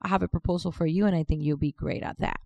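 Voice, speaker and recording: A woman with a Cuban Spanish accent, her voice low and gravelly, talking as a podcast guest. She speaks in long, loose stretches, restarting phrases and laughing as she goes. The sound is close and dry. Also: steady tone, quick pace, a little mellow, no room sound, lo-fi sound. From Cuba. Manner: talkative, restarts often, laughs easily. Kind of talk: casual interview conversation.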